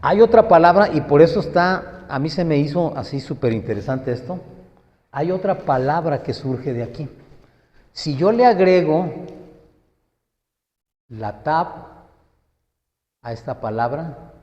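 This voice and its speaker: A man preaching a sermon, teaching slowly and emphatically and putting questions to his listeners. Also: fairly high pitch, expressive, a little mellow. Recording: echoey hall, dull lo-fi sound.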